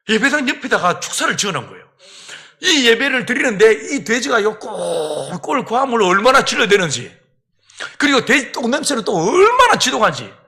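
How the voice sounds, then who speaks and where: A middle-aged man preaching a revival sermon in church, telling a personal story and acting out the voices in it. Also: high voice. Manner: lively storyteller who acts out voices and laughs. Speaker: pastor. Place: church sanctuary.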